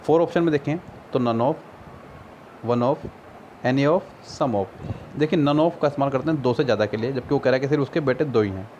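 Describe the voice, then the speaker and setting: Over a screen recording, a man with an Indian accent, a Hindi speaker, patiently tutors for an English exam and reads English sentences slowly. His mid-range voice sounds a little mellow, and the screen recorder mic produces lo-fi audio with a little hiss or hum.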